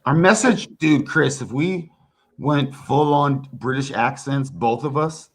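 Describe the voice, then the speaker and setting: A man from Maryland, with no regional accent, chatting on a stream. His voice sits at a middle pitch. He is laid-back and playful, and throws in plenty of slang. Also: slow, slightly rough. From Maryland, United States. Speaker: stream guest. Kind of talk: casual chat.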